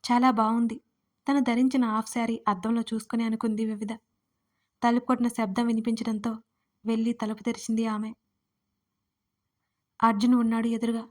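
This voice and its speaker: A woman storyteller narrating an audiobook in a steady, even reading voice. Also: on the high side, fairly quick, long pauses.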